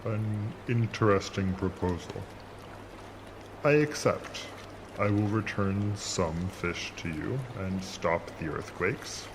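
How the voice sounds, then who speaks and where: A man playing an ancient, aloof sea monster in an audio drama, speaking in formal, measured, stilted sentences. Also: on the low side, noisy background. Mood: aloof, conceding. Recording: loud watery ambience behind voice.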